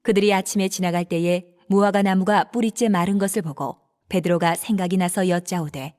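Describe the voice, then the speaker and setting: A woman narrating scripture from a script in a measured, formal manner. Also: lowish voice, steady tone, darkish tone. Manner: measured, formal read delivery.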